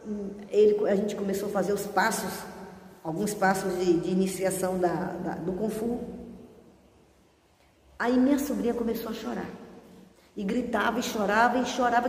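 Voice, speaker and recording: A woman pastor preaches with fervour, stacking repeated phrases of prayer and rebuke. Her voice sits a little high but mellow and warm. It rings through a roomy hall with a long reverb tail. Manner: fervent, repetitive rebuking prayer; storytelling testimony with many restarts. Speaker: pastor and missionary. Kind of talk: sermon with deliverance prayer.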